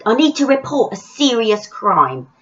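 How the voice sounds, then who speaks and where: A woman's voice: on the high side, very animated, unhurried, a bit bright, lo-fi sound, voice pushed up. A woman voicing a bold, earnest young village boy in a children's story, speaking emphatically. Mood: earnest, indignant.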